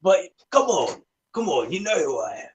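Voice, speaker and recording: A woman voicing a brash, teasing male bloke with a put-on Australian accent, often loud. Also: lowish voice, very animated, moderate pace, pitched below the performer's own voice. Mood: cocky.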